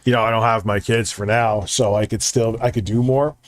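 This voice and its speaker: A man's voice: lowish voice, steady tone, a little fast, dry recording, studio quality. A man hosting a livestream, talking casually and rambling, with lots of swearing. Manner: profane, rambling, conversational. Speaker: streamer and show host.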